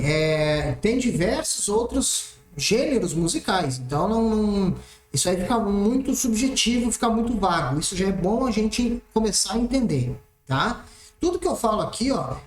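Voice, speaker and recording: A man teaching an exam-prep math lesson, explaining step by step and checking in often. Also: high-pitched. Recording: roomy echoey room.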